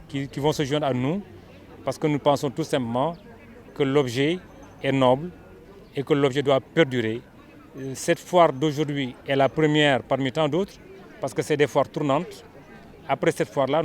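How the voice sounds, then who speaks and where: Mid-pitched Senegalese man explaining in interview. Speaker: local event organizer being interviewed. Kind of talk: on-camera interview statement.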